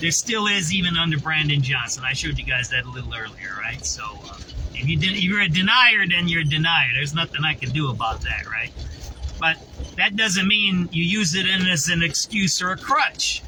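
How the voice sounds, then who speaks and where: This man speaks with a Chicago accent in a high voice, fairly quickly and with lively intonation, over noticeable background noise. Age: 50s. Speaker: livestreamer and citizen reporter. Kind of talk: casual live-stream monologue. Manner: casual, repetitive, with false starts.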